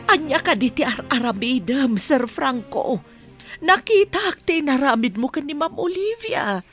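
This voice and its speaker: A woman's voice: high voice, animated, a little slow, soft background music. An actress playing Nana Gloria, an elderly maid scolding and pleading with her son in a radio drama. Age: older. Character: old housemaid Nana Gloria, Franco's real mother. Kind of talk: Ilocano radio drama acting.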